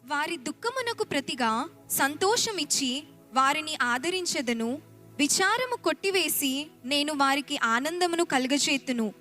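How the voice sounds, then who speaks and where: High-pitched woman reading scripture aloud. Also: measured pace, faint music behind. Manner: steady, formal recitation. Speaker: scripture reader. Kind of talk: reading Bible verses aloud.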